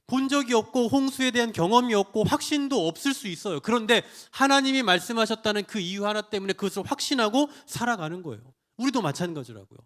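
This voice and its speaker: Pastor, middle-aged man, high lively voice, preaching to a church congregation with rhetorical questions. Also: quick pace, few pauses. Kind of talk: sermon. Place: church, Friday prayer meeting.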